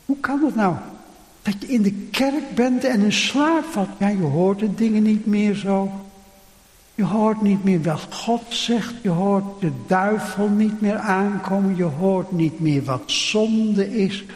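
A man's voice: high-pitched, takes it slowly, a little mellow. A man preaching a sermon in a large church, asking his listeners rhetorical questions, heard with a long cathedral echo.

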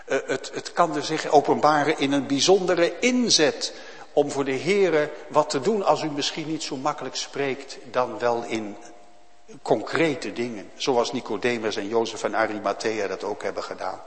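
A man preaching a solemn sermon as pastor to his congregation, with loud emphatic calls. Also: mid-range voice, moderate pace. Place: church. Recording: long church reverb.

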